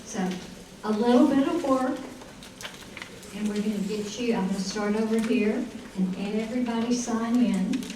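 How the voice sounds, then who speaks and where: A woman's voice: fairly high pitch, moderate pace, dark tone. A woman introducing a guest speaker and giving announcements to an audience, upbeat and chatty, speaking straight to the room. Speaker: event organizer introducing the speaker. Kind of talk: welcoming announcements. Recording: echoey room, distant mic, faint noise.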